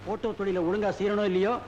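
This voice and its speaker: A very high, fussy male photographer bosses customers into poses and plots spiteful tricks. The sound is dull and muffled, with a faint hiss, like an old film print. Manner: fussy, bossy. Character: scheming comic male photographer, spiteful and gleeful.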